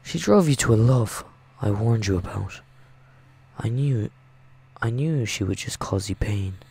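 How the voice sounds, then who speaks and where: Man playing a possessive, sinister mother, slow and low. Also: lively intonation, vocal fry, darkish tone, slightly rough, exaggerated voice. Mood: scornful. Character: possessive, mocking, sinister mother figure, a grown woman. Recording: music behind the voice.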